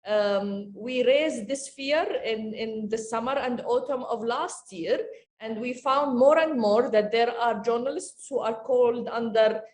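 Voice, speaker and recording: A fairly high-voiced woman speaks earnestly and deliberately, pausing often to find her words. She is on a video call from an echoey room, with a faint hum of background noise. Her delivery sounds like an online panel answer. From Jordan. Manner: earnest, measured, with many pauses and fillers. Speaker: panelist, media organization director.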